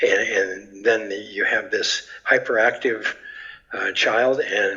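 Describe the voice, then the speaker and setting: A man's voice comes through with noticeable background noise behind it. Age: 70s. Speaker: grounding researcher and entrepreneur. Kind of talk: interview. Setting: podcast interview. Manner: halting, repeated words.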